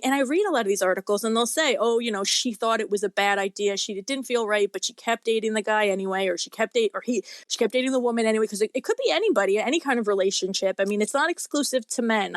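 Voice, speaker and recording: A woman's voice: on the high side, no echo, clean studio sound. A woman talking in a casual interview as a guest author, earnest and rambling, peppering her speech with little filler phrases. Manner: talkative, rambling, earnest, often says "you know" and "like".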